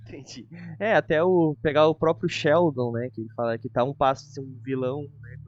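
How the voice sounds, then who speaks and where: A man's voice: mid-range voice, fairly even intonation, fairly quick, lo-fi sound. A Brazilian man hosting a reaction show, giving an informal, hedging review in casual conversation. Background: music.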